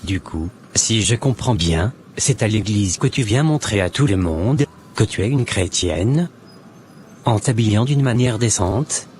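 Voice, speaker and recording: A man's voice: lowish voice, animated, unhurried, darkish tone, a little hiss or hum. A man playing an earnest, solemn born-again Christian with a preachy, formal manner in an amateur cartoon. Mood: solemn, admonishing.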